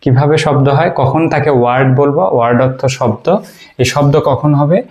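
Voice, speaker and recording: A man from Bangladesh gives a relaxed beginner English lesson to video viewers. His pitch sits in an ordinary middle range. He works through the rules step by step, stopping to ask questions and then answering them. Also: fairly quick. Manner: explains step by step, asks the listener questions and answers them himself; frequent hesitations and fillers while he thinks. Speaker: English teacher. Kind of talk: informal video lecture.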